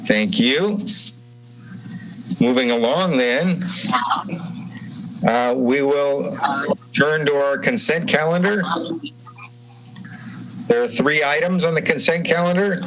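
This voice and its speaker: Formal, halting chairman with a higher-pitched voice. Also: a bit bright, slight background noise, poor audio. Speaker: commission chairman. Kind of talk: formal meeting procedure. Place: remote meeting over Zoom.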